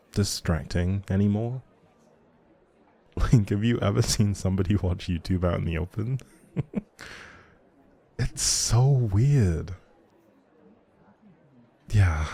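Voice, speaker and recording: A man's voice: low voice, gravelly, warm tone, breathy edge, exaggerated voice. A man playing a shy, socially anxious but friendly young writer in an intimate audio roleplay, rambling hesitantly and apologetically to the listener.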